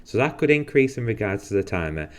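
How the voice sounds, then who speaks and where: A gaming channel host with a lowish voice talks at a quick clip and sounds very animated. He casually walks through new characters and their abilities as game guide commentary, tossing in the occasional dry, sarcastic remark.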